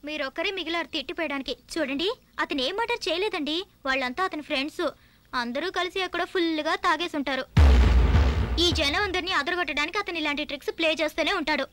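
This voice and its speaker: A woman's voice: high-pitched, fast talker, sharp tone. An actress in a film playing a young woman who earnestly defends her man. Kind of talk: film dialogue.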